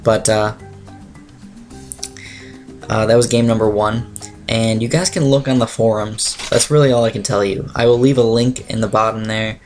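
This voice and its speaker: A teenage man with a raspy, dry voice chatting casually over his gameplay as a gaming YouTuber, rambling with lots of fillers and clearing his throat. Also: lowish voice, fairly even intonation, normal speed, long pauses, darkish tone, faint music behind.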